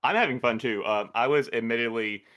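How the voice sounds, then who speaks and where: A man's voice: mid-range voice, fairly quick, fairly bright tone. A man chatting casually as a cast member on a podcast panel.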